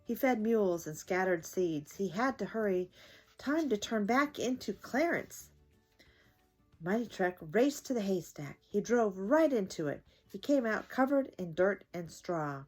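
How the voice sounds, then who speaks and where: A woman's voice: mid-range voice, animated, unhurried, faint music behind. An older woman hosting a children's story time, reading aloud expressively to young listeners.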